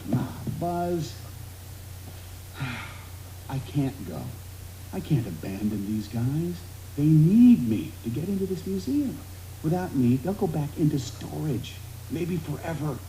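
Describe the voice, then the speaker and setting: A man playing an earnest, excitable cowboy sheriff toy in an animated film, with an American accent and a pleading, emphatic delivery. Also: fairly high pitch, slow pace, long pauses, echoey room, a little hiss or hum, low-quality recording. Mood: defensive, downcast.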